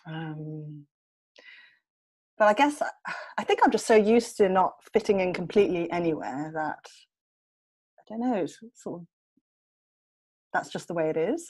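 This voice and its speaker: A young woman from England chatting as a guest on a podcast, her voice sitting somewhat low. She hesitates often, restarts her sentences and breaks into laughter as she talks. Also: a little mellow. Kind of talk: relaxed conversational interview.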